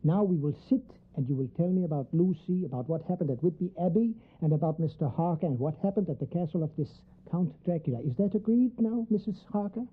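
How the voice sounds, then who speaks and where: A grave professor and vampire hunter in a radio drama. The voice is very low and rough-edged, deliberate and insistent in its formality, heard through a thin, phone-like recording. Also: female voice. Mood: urgent, commanding. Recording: tinny, narrow band like phone line.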